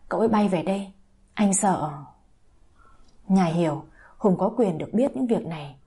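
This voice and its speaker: A woman narrating a dramatic audio story in an emotive, scripted way. Her voice is strongly husky and breathy, with a dark, mellow tone at a middle pitch.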